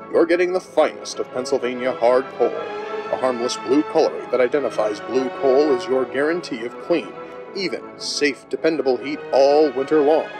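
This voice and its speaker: A man playing a grand 1930s radio announcer and sponsor pitchman, with a booming baritone and declamatory delivery. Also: natural voice. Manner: declamatory, salesmanlike.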